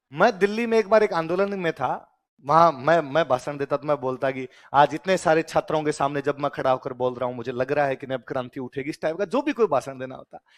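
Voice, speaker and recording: A man talks at a moderate pace, his fairly high pitch showing ordinary pitch variation over a quiet background. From Rajasthan, Ganganagar belt. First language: Rajasthani (speaking Hindi). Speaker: teacher. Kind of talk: lecture. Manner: casual, conversational.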